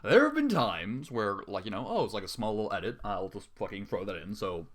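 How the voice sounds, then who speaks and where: A man's voice: fairly low pitch, very animated, brisk. A young man reading a story aloud and breaking off into exasperated, sarcastic, profanity-laced commentary. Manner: exasperated, sarcastic, swears a lot. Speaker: fanfiction reader. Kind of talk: comedic dramatic reading with commentary.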